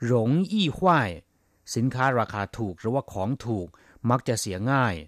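A man's voice: a bit bright, dry recording. Man teaching language on radio, dry close sound. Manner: reads words slowly then translates, lifting pitch on example phrases.

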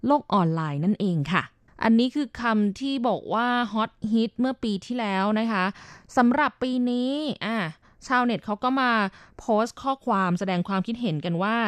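A woman's voice: a little high, lively intonation, normal speed, dry recording. A woman hosting a radio language segment, explaining words in a chatty, polite way. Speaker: radio host.

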